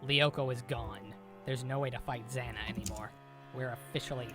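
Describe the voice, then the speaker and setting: A man's voice: mid-range voice, fairly even intonation, moderate pace, lightly acted. A man voicing a stressed, nerdy boy genius leading a team in a cartoon parody, fretful and exasperated. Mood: defeated. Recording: music behind the voice.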